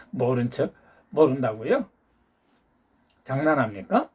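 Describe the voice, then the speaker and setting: Husky man lecturing with rhetorical questions. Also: mid-range voice, very animated, takes it slowly. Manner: peppers talk with challenging rhetorical questions; lecturing, hectoring tone toward listeners. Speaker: YouTube channel host. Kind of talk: ranting political monologue.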